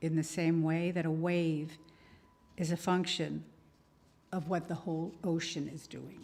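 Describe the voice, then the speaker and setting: A woman's fairly low, monotone, flat voice at a fairly slow pace, broken by long, frequent pauses. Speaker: guest speaker, spiritual director. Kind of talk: guided meditation. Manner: slow, soft-spoken.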